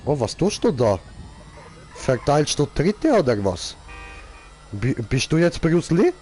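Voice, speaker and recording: A man's voice: on the high side, sing-song, slow, dark tone, a little hiss or hum. A young man playing a boastful, car-loving character who speaks in broken grammar and keeps repeating the same filler word, commenting on a game. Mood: playful.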